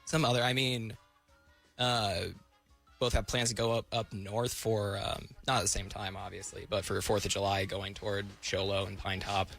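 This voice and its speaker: Young guy from arizona, shy and halting, bright voice, faint music behind. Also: fairly low pitch, flat delivery, vocal fry. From Arizona, United States. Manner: shy, hesitant, short answers. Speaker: radio show guest. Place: radio studio.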